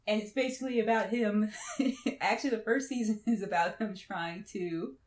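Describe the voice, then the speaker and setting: A woman's voice: mid-range voice, normal speed. A woman co-hosting a casual pop-culture podcast, enthusiastic and peppering her talk with "like". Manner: enthusiastic, heavy use of "like". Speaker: podcast co-host. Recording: echoey room.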